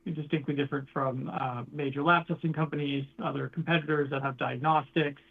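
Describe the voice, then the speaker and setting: A man with a fairly high voice and a creaky edge answers questions as a company executive on an earnings call. He restarts phrases and leans on business jargon. The audio is very dull and narrow. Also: steady tone, a little fast.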